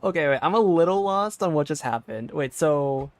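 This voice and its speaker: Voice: mid-range voice, animated, moderate pace. A game streamer giving casual, hesitant, puzzled reactions while playing.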